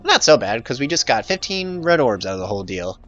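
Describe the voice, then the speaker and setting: A man's voice: medium pitch, sing-song, brisk, fairly bright tone, soft background music. A man giving casual, jokey gameplay commentary as the host of a let's play.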